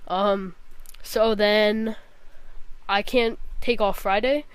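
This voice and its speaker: A woman's voice: mid-range voice, steady tone, drawn-out words, clean tone, no echo. A young woman with a nasal, congested voice from a cold, giving a casual, rambling gaming vlog. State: sick with a cold, scratchy throat, nasal. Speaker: gaming vlogger.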